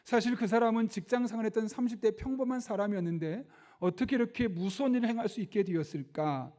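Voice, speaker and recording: A man's voice: high voice, quick pace, mellow. A middle-aged man, a pastor, giving church announcements, praying and preaching a sermon, acting out the lines he quotes. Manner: storytelling, acts out quoted speech.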